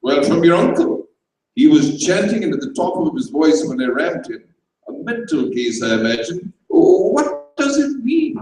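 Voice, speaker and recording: Brief: a man playing a chirpy, blunt young woman, raised pitch, distant and echoey. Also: sing-song, moderate pace, darkish tone. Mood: breezy. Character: breezy, forthright young American woman.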